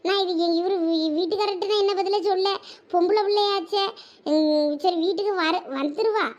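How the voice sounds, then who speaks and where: A woman's voice: very high-pitched, fairly even intonation, normal speed, dull audio. A woman voicing an exasperated, anxious village mother in a cartoon, scolding and complaining in a Thoothukudi Tamil accent. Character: exasperated, anxious village mother fretting over her children. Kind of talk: cartoon village drama dialogue.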